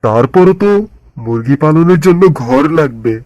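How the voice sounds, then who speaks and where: A man's voice: medium pitch, expressive, moderate pace, darkish tone, dry recording, dull audio, natural voice. A man voicing a poor, earnest village dairy farmer and family man in a cartoon story. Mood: worried. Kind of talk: Bengali cartoon story dialogue.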